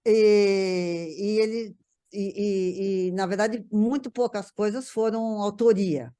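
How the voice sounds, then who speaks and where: Brazilian woman, conversational panel guest, stop-start delivery with repeated words, mid-pitched voice. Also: steady tone, mellow, clear, resonant tone. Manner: halting, repeats words while searching for phrasing. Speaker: panel guest discussing a TV writer's work. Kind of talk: casual conversational recollection.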